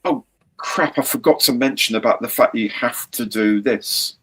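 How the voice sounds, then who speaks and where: A man's voice: medium pitch, steady tone, moderate pace, fairly bright tone, slightly rough. Chatty, rambling man hosting. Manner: chatty, rambling, mild swearing. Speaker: host. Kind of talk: casual chat on a live stream.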